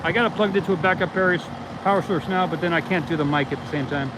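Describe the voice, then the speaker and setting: A man talks with his viewers in a loose, rambling way, his voice a little on the high side. He records outdoors on a phone's built-in mic. Heavy wind noise buffets the sound throughout. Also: very fast. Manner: rambling, reads viewer comments aloud. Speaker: livestream host. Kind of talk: casual livestream chat with viewers. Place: outdoors near a launch site. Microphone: iPhone, built-in mic. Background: wind and vehicle noise.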